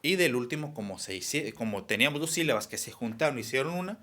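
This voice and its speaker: A man's voice: medium pitch, animated, quick pace, sharp tone. A young man explaining a lesson, with frequent fillers and restarts. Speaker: teacher. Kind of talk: online class lecture.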